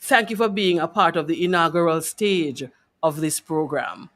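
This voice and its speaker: A woman's voice: low voice, moderate pace, fairly bright tone. A woman hosting a Christian radio interview, encouraging and affirming her guest as she talks. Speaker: radio show host.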